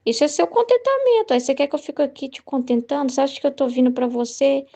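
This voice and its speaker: A woman's voice: sits high, fast talker, gravelly, warm tone. A woman with a Brazilian Portuguese accent voicing a fatherly male divine teacher who urges his listener to get to work, repeating herself in exasperation. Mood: urging, exasperated. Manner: urging, exasperated repetition.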